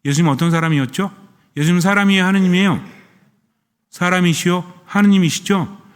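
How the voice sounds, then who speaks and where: A man's voice: high-pitched, brisk, clear, resonant tone, long reverb tail. A man, a Catholic priest, preaching a sermon who keeps asking his listeners questions and answering them himself.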